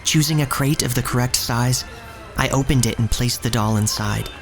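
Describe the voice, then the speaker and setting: An actor playing an earnest, uneasy young shop boy, narrating his own story in a measured, literary way. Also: medium pitch, vocal fry, over music, natural voice. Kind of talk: first-person scripted narration in audio drama.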